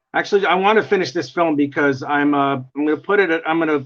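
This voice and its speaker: Talking at a very fast pace in a strong New York accent, this man has a fairly high pitch and ordinary pitch variation. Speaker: artist livestreaming drawing. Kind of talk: casual livestream chat. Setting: livestream. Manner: animated.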